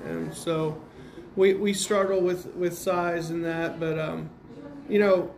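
An American man, a high school basketball coach, answering interview questions in plain-spoken, casual terms as he breaks down games. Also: fairly even intonation, slow, vocal fry, a little mellow. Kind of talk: interview answers, game analysis.

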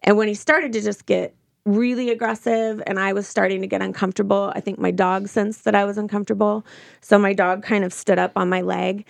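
Woman being interviewed, lots of vocal fry, dry close sound, informal n halting, telling her own story. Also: medium pitch, little pitch movement, no room sound. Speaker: interview guest. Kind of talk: personal account in a conversational interview.

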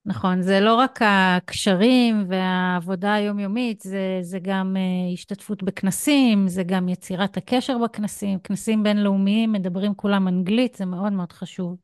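A woman's voice: medium pitch, fairly even intonation, few pauses, clear, resonant tone, no room sound, studio quality. A woman with an Israeli accent hosting a conversational podcast interview. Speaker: podcast host.

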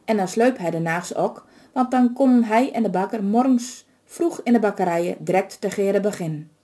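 Dark-toned woman telling a folk tale. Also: medium pitch, moderate pace. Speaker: storyteller. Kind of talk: reading a folk tale aloud.

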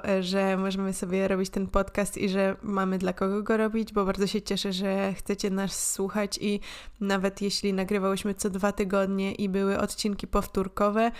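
A woman's voice: mid-range voice, level tone, moderate pace, smooth. Nasal woman podcast host with a cold. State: has a cold. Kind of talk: casual podcast chat.

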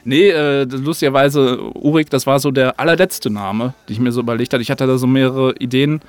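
A man's voice: medium pitch, steady tone, brisk, no room sound. A man as an interview guest, an audio drama writer, explaining things in casual chat.

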